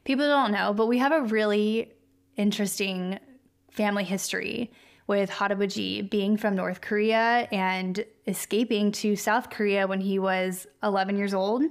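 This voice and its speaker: A woman's voice: mid-range voice, fairly even intonation, normal speed, clean tone. A young woman from Kentucky hosting a podcast, chatting about family in an earnest, reflective way with many fillers. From Kentucky, United States. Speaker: podcast host. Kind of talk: casual conversation.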